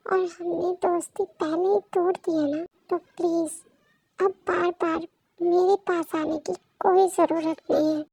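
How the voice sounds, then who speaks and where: A woman's voice: very high-pitched, creaky, warm tone, no echo, heavily acted, poor audio. A woman voicing a heartbroken, crying young woman who pleads to be left alone. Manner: pleading, sobbing outbursts. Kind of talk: fan story voice acting.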